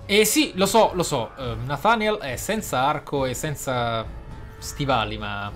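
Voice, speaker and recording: A man's voice: medium pitch, lively intonation, a little slow, a bit bright. A man giving casual gameplay commentary in a theatrical way, with flowery wording and exclamations. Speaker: gaming video host. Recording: music behind the voice. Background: game music.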